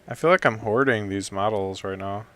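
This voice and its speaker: A man giving casual commentary while browsing, thinking aloud in an excitable way and often trailing off quietly. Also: fairly low pitch, moderate pace. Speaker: hobbyist game developer. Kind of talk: casual screen-recording commentary.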